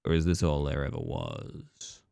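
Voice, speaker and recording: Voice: rumbling low, big pitch swings, a little slow, vocal fry, dark tone, no echo, clean studio sound, voice pushed down, heavily acted. A streamer voicing an eerie male late-night customer in a video game, probing and ominous in a musing way. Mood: probing, menacing. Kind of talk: acted video game dialogue reading.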